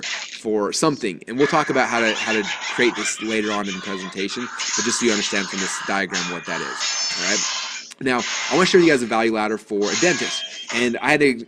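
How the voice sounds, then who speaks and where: Fast-talking man presenting a webinar. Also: medium pitch. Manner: fast, restarting phrases, acts out dialogue. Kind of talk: energetic business webinar talk.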